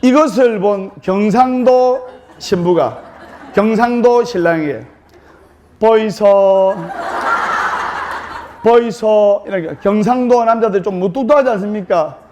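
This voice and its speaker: A man, a Buddhist monk with a Gyeongsang accent, telling jokes in a dharma talk with slow, deliberate pauses. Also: sits high, background noise. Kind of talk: humorous dharma talk to an audience.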